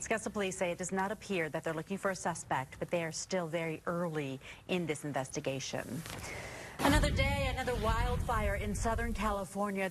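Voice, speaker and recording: A woman's voice: mid-range voice, slight background noise. A woman news anchor reading scripted stories for a broadcast.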